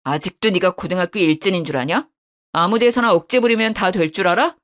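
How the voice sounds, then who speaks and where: A woman's voice: fairly low pitch, fairly quick, natural voice. A woman voicing an angry young husband who harshly accuses his wife, in a storytelling radio drama. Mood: furious.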